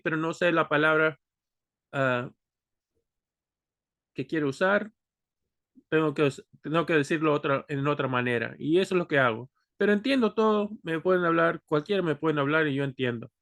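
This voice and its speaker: A man's voice: on the high side, fairly bright tone, dry recording, clean studio sound. A man from Peru whose first language is Spanish, rambling self-deprecatingly and unscripted in a language vlog recorded at a computer, with many fillers and restarts. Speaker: language vlogger. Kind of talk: unscripted rambling talk to camera.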